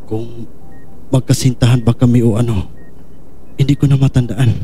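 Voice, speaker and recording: An actor playing a troubled man with lost memory in a Filipino audio drama, speaking in a halting, anguished way. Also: medium pitch, level tone, warm tone, husky, close to an everyday voice. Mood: remorseful, troubled. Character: troubled amnesiac man haunted by painful memories.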